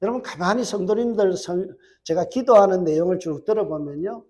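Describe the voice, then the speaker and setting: A middle-aged male pastor with a Gyeongsang Korean accent, preaching a sermon quickly and putting rhetorical questions to his congregation. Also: high-pitched, mellow. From Gyeongsang, South Korea. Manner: fast-talking, strong regional accent.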